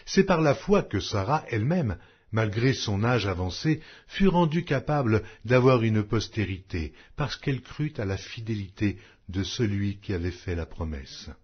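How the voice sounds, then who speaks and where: A man reading scripture aloud as a formal audiobook narration, in a solemn, measured, declamatory way. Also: fairly low pitch, animated, husky, highs cut off.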